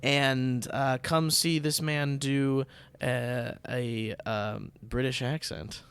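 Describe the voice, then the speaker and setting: A man's voice: mid-range voice, steady tone, slow pace, a bit bright, smooth, dry recording. A man hosting a podcast in a casual, chatty style. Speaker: podcast host. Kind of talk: casual chat.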